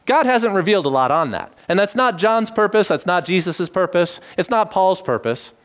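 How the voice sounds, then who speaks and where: Smooth-voiced man preaching an expository sermon. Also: high voice. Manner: measured teaching tone with lively emphasis on key phrases. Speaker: pastor.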